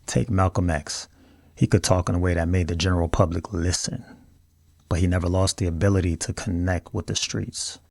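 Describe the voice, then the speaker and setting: A low-voiced man with an African American accent hosts a video essay. His delivery is earnest and colloquial, with gravelly fry, recorded close and dry. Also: fairly even intonation, a little fast, a little mellow, dry recording. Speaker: video host. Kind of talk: scripted video essay commentary.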